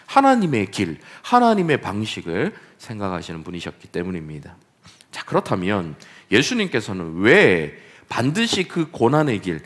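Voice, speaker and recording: A man preaching a Sunday sermon as pastor, acting out scripture quotes with dramatic emphasis. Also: fairly low pitch. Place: church sanctuary.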